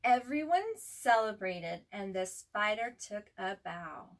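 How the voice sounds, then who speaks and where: A woman reading a picture book aloud in an expressive, simple way for young children, as a preschool teacher would. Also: medium pitch, takes it slowly. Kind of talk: children's storybook read-aloud. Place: at home. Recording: home recording with faint background noise.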